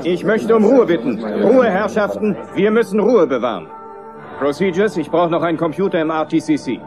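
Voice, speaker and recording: A man's voice: sits high, expressive, a little fast. A man acting a commanding mission flight director in a dubbed film, steadying his team with orders. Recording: music and busy room chatter behind.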